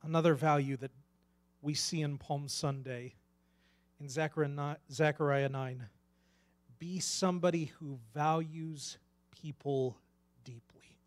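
Pastor guy preaching on stage, kinda high voice, chatty and earnest, handheld mic. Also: fairly even intonation, measured pace, pauses often. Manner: earnest, conversational preaching with restarts. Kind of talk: sermon. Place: church stage.

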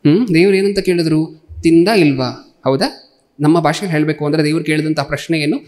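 A preacher with a slightly high, steady, darkish voice delivers a sermon, repeatedly turning to listeners with rhetorical questions. He slows down to read scripture aloud.

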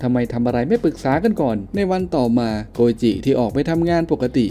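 Male film-recap narrator, rapid delivery, deep mellow tone, casual slangy voice-over. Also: animated, faint music behind. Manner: chatty, slangy, polite particles.

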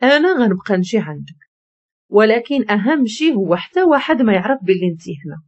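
A man's voice: high voice, sing-song, a little fast, lo-fi sound, exaggerated voice. A woman voicing a cold, curt young man who speaks with a Moroccan Arabic accent in a storytelling narration. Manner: cold and sharp.

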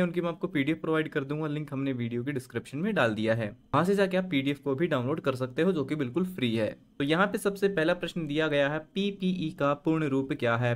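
A man hosting a screen-share lesson, reading each multiple-choice question aloud and then explaining the answer step by step. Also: on the high side. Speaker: channel host and tutor. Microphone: voice-over on screen recording.

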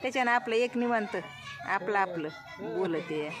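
A woman's voice: mid-range voice, lively intonation, normal speed, music in the background. A middle-aged woman chatting casually to her viewers in a village vlog, checking in with "hm?" and "haan?" as she talks. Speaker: village vlogger. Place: outdoors in a village.

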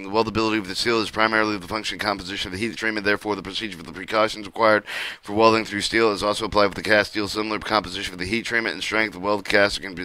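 A man's voice: on the low side, bright, forceful tone, no room sound, poor audio. A man reading a technical welding manual aloud, stumbling and restarting often over words. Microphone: screen recording with voice-over.

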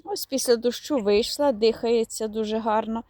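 Her voice is on the high side and mellow, delivered at a normal pace with clean studio sound and no room sound. She's a garden vlogger giving a casual outdoor tour, fondly pointing out plants and now and then hunting for their names.

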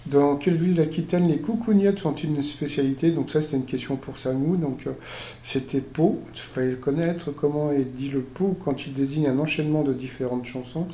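A man talks through a recap in a loose, rambling way, stopping and restarting and filling gaps with hesitations. His voice sits a little high but sounds dark and mellow. The room around him gives a clear echo. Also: normal speed, a little hiss or hum. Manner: rambling, with many fillers and restarts, chatty asides. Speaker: video blogger recapping a TV quiz show. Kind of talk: casual spoken recap.

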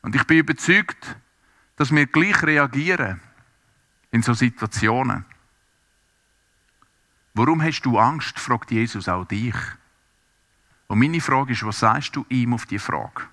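A man's voice: mid-range voice, animated, a little slow, bright, forceful tone. A man preaching a sermon, speaking earnestly and directly to his listeners. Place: church service, also streamed to homes.

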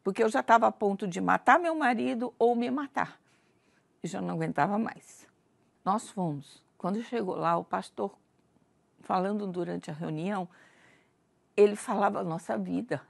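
A woman's voice: mid-range voice, moderate pace, vocal fry. A middle-aged woman with a Brazilian accent giving an earnest, emotional personal religious testimony. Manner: earnest, confessional, emotional storytelling. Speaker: church member giving testimony.

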